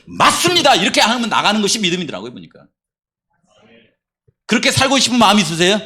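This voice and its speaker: A middle-aged man preaching in a church with a bright, ringing voice that sits high for a man. His delivery is lively and chatty, full of questions to the congregation. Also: fast talker. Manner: conversational, animated preaching with rhetorical questions to the congregation. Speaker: pastor. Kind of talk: sermon. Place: church sanctuary.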